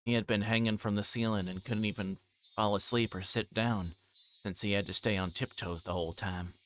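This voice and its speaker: A man's voice: on the low side, steady tone, a little fast, fairly bright tone, slight background noise. A man reading a visual novel aloud on a livestream, narrating in first person and occasionally stumbling over words. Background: game music.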